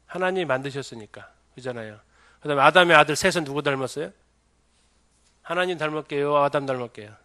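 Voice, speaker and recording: A man's voice: on the high side, fast talker, pushed and bright. A middle-aged male pastor giving a seminar on raising children, often putting questions to the audience. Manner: asks the audience many questions. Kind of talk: church seminar lecture.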